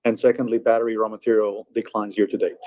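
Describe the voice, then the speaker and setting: A man's voice: on the low side, level tone, quick pace, mellow. A man acting as moderator, reading out investor questions on a conference call with muffled, band-limited sound.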